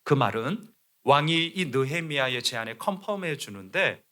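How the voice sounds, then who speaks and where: Man, pastor, sermon in a church, animated, forceful voice. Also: medium pitch, moderate pace. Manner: animated preaching, leading congregation in reading. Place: church sanctuary.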